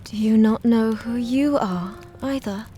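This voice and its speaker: A woman playing a pale, eerie, courteous maid in an audio drama, with formal, archaic, measured speech. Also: on the high side, dark tone, slight background noise, natural voice. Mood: coolly questioning. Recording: music behind the voice.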